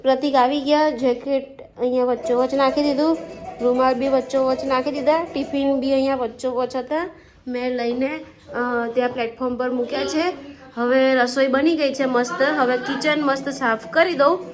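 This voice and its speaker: A woman's voice: high voice, fairly even intonation, moderate pace. A woman, chatting casually to her phone camera at home as a family vlogger. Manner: chatty, laughs often. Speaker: vlogger, mother.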